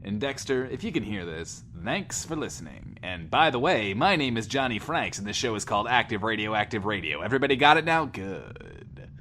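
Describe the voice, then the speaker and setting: A man's voice: fairly low pitch, sing-song, fairly quick, hardly any pauses, sharp tone, a little hiss or hum, heavily acted. An actor playing a vain, defensive male post-apocalyptic radio DJ with glib showman patter, in an audio drama. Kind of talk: in-world radio show hosting, audio drama.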